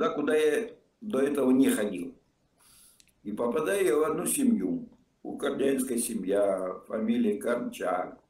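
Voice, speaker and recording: Audible room echo surrounds a man speaking at a medium pitch, with very wide pitch swings and very even loudness. He leaves long, frequent pauses. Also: fairly slow pace. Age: old. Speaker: Crimean Tatar interviewee. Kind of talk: casual chat.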